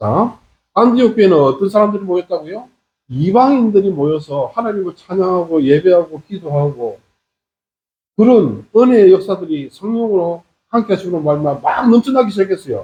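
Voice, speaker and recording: With a Gyeongsang accent, a man talks at a moderate pace in a high pitch, using lively intonation and a dark, mellow tone. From Gyeongsang region, South Korea. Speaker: pastor. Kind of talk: sermon.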